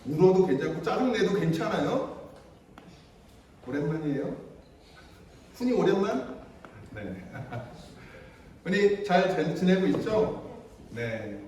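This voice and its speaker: A man preaching a children's sermon as pastor, chatty and playful, speaking gently to the kids. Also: high voice, very animated, takes it slowly, long pauses, slight background noise. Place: church sanctuary. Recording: echoey church hall from far off.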